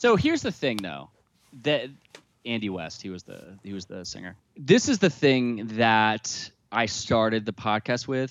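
This is a plain, everyday voice at a fairly slow pace. It has lively intonation and big swings in loudness. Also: man, medium pitch for a man. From New Jersey (Jefferson). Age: 30s. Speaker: podcast host. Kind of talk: casual interview.

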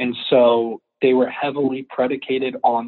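Speaking at a moderate pace, a man with an American accent has a medium pitch. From Florida. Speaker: nutritionist and personal trainer. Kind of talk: interview conversation.

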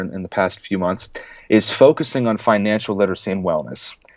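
Ordinary pitch variation comes through in very fast speech in an American accent. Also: man. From West Virginia. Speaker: student politician. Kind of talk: interview.

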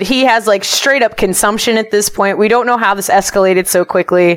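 Against noticeable background noise, a woman with an American accent speaks at a medium pitch with ordinary pitch variation. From New York, the Bronx. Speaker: podcast guest. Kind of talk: casual chat.

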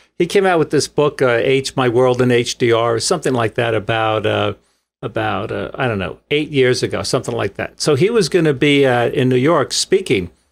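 An ordinary speaking voice with lively intonation moves at a moderate pace on a very clean recording with a silent background. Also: man, medium pitch for a man. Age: 60s. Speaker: photography workshop instructor. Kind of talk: casual interview.

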